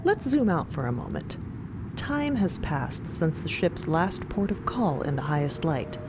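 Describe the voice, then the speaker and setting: A woman's voice: sits low, sing-song, a little slow, noisy background. A woman co-narrating a fantasy audio story in a scripted storytelling style with light banter. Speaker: podcast co-narrator.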